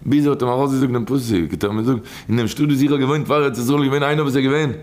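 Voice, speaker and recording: A man giving a storytelling sermon about a Hasidic teaching, repeating key phrases with emphasis and sudden rises and drops in pitch. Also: racing, a little mellow.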